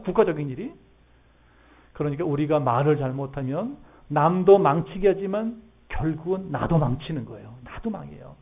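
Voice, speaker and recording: A middle-aged pastor with a high, light voice gives a sermon in a church, talking to his congregation and often asking them questions. The sound is thin and narrow, like a phone line. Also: slightly rough. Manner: conversational preaching with questions to the congregation. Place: church sanctuary.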